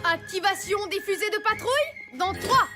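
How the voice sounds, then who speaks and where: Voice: very high-pitched, expressive, normal speed. An actor playing a courageous little alien boy hero in a cartoon, eager and commanding. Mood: determined. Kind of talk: cartoon dub acting. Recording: loud music behind the voice. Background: cartoon music.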